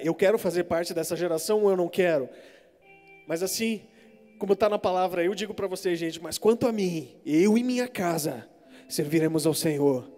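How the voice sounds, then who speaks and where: A young man from preaching a sermon to a congregation, telling stories animatedly and acting out the voices, swinging between loud exhortation and hushed asides. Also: fairly high pitch. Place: church hall. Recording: reverberant church hall with faint music.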